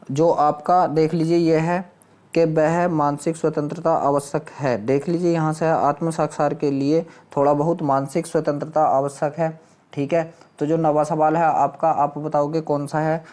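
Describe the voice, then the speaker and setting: A man's voice: on the high side, darkish tone. A man teaching exam questions, reading them out and explaining answers step by step in a repetitive way with frequent check-in tags. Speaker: exam-prep Hindi teacher. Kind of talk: lesson, reading out and solving quiz questions.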